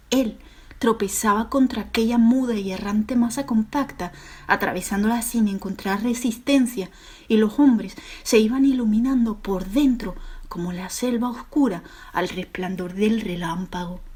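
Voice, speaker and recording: Putting on a character voice, a woman speaks at a fairly high pitch. Her delivery is sing-song and moderately paced. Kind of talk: audiobook reading of a novel. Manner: sing-song lilt.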